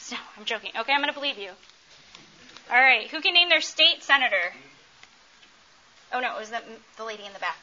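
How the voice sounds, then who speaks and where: A woman's voice: on the high side, animated, fairly quick, long pauses, pushed and bright, muffled recording. A woman presenting an interactive talk, quizzing the audience and doing playful, teasing crowd work. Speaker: workshop presenter.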